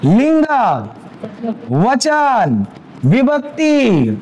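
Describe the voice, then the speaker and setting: A man's voice: very high voice, wildly swooping pitch, extremely slow, a little mellow, a little hiss or hum. A male teacher giving a grammar lecture. He asks the class questions, answers them himself, repeats key terms and mixes in English words.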